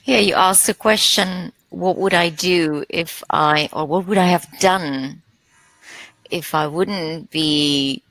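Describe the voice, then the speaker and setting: Slow, gravelly-voiced woman. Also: on the low side, fairly bright tone, dry recording, poor audio. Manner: hesitant, searching for words. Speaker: panel guest. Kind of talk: reflective conversation.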